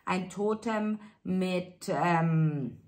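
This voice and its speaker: A woman giving a spiritual tarot reading, speaking slowly and soothingly straight to the listener. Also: on the low side, darkish tone. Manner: slow, soothing, addresses listener directly. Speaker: tarot reader.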